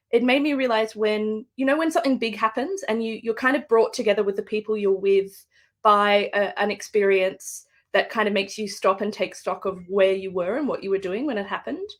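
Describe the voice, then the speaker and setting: An Australian woman, an author, speaking thoughtfully with fillers and restarts in a live book interview over a video call. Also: medium pitch. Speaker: guest author.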